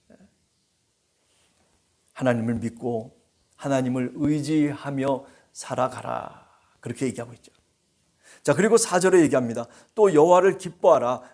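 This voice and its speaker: A middle-aged male pastor giving a dawn-prayer sermon in a gentle, conversational way, often checking in with his listeners and speaking the quoted lines himself. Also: medium pitch, breathy edge. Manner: gentle, conversational preaching with frequent "예" and "그죠?"; voices God and believers in quoted speech.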